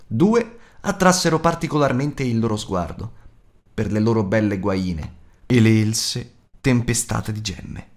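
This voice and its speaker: A man narrates an audiobook with a low voice and very lively, wide pitch movement. His reading is dramatic and expressive, shaping each sentence like a storyteller. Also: measured pace. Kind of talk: scripted narration.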